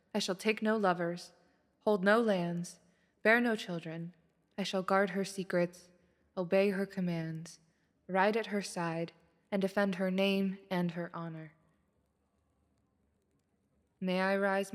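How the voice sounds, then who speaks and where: A woman's voice: mid-range voice, lightly acted. An actress playing a dutiful, steadfast lady knight who speaks formally and frankly, with courtly composure, in a fantasy audio roleplay. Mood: solemn oath. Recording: long hall reverb.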